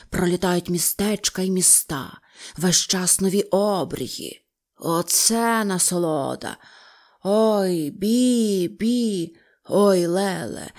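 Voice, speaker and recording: A woman voicing a swaggering male toad who mumbles in a slow, dreamy, sing-song way in a storybook reading. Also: on the low side, a little mellow.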